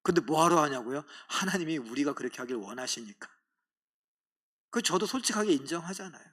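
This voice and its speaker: A man's voice: fairly high pitch, animated, brisk, fairly bright tone, breathy edge. A middle-aged man, a pastor, preaching a sermon in a church, telling stories animatedly and mimicking other people's voices. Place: church sanctuary.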